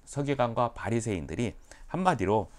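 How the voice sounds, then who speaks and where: A male pastor preaching a sermon for an online church, animated and acting out quotes. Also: mid-range voice, normal speed. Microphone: online sermon recording.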